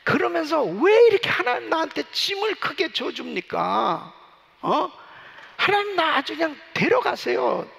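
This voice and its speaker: A pastor acting out an exasperated male leader, worn out by complaining people, pleading loudly and near to shouting. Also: extremely high pitch, big pitch swings, measured pace, creaky, big-room sound, voice pushed up, exaggerated voice.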